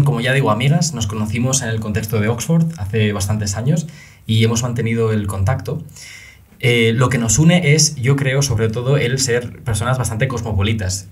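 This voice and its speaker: Brief: young Spanish-accented male podcast host, mid-pitched, measured and friendly, lots of "eh" fillers. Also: a little mellow. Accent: Spain. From Spain. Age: young adult. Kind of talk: conversational interview.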